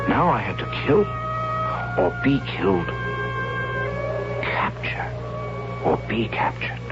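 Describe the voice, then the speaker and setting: An actor playing an anxious, reluctant young tribal warrior who tells his own story in a dramatic 1970s radio drama style, measured with hesitant asides. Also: low-pitched. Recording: dull 1970s radio recording, loud music.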